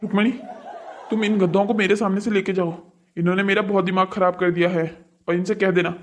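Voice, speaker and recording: High-pitched exasperated cartoon father acted by a man. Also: level tone, a little fast, a faint crowd, slight background noise, natural voice. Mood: stern. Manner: scolding, sarcastic, indignant. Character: exasperated, stern father scolding his foolish boys. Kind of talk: Hindi cartoon moral-story dialogue.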